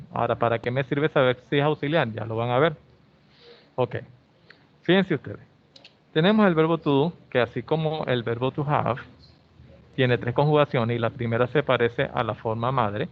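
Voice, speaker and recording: A man's voice: medium pitch, slight background noise. A male English teacher, explaining grammar in an online class and often checking in with "ok?". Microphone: video call. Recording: slightly dull video-call audio.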